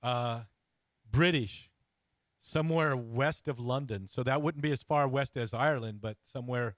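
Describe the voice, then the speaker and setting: A man hosting a casual interview, informal and bantering, with halting phrasing. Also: mid-range voice, a bit bright, no room sound, clean studio sound. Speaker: interview host. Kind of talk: casual, jokey chat.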